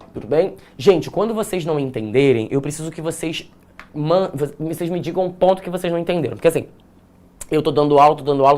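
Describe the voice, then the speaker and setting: A man with a Brazilian Portuguese accent, teaching an online exam-prep lesson in an energetic way, repeating phrases and checking in with his students. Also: on the high side.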